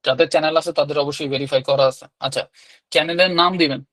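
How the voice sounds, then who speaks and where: A man leads a live online class in a slightly high voice. He talks bluntly and demandingly, checking in with his listeners again and again. The sound is dry and close. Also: steady tone, fast, fairly bright tone, no echo. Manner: blunt, demanding, repeats "ঠিক আছে?". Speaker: YouTube course instructor.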